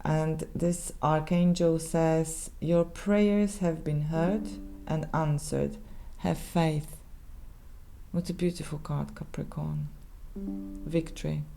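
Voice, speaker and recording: A woman with a Polish accent, a native Polish speaker, giving a casual tarot reading in halting English with many restarts. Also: low-pitched, steady tone, gravelly, mellow, soft background music, rough recording. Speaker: tarot reader.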